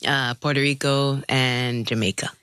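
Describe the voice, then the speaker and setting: A woman's voice: a bass voice, fairly even intonation, a little slow, fairly bright tone, smooth, no echo, clean studio sound. A woman guest from the Philippines, chatting cheerfully in an interview. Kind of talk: casual interview chat.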